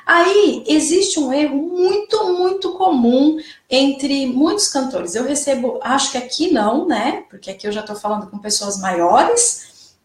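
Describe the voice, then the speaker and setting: A woman's voice: high-pitched, animated, unhurried, reverberant. A woman and singing teacher explains music theory in an online lesson, checking in with her students all the time. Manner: didactic, checks in often with "né?" and "certo?".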